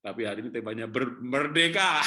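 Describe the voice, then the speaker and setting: A middle-aged man preaching a sermon as a pastor, telling his own story with humor, then sinking into quiet, heavy stretches. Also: mid-range voice. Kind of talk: sermon with personal testimony.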